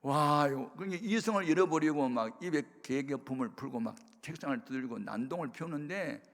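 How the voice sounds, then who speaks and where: A male pastor giving a sermon testimony, telling his story with animated bursts of loud emphasis. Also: fairly high pitch, brisk. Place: prayer retreat sanctuary. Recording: reverberant worship hall.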